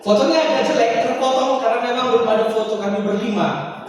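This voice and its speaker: A man's voice: very high voice, quick pace, a little hiss or hum. A young man in his twenties, a Catholic priest, giving a nervous, self-joking talk to a prayer meeting. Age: 20s. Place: church hall. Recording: roomy hall reverb, distant mic.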